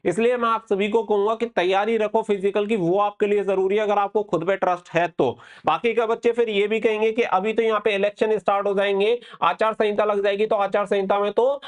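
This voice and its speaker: A man's voice: sits high, level tone, brisk, hardly any pauses. A man hosting a coaching channel, giving informal, reassuring advice to exam candidates and repeating his points as he explains. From India.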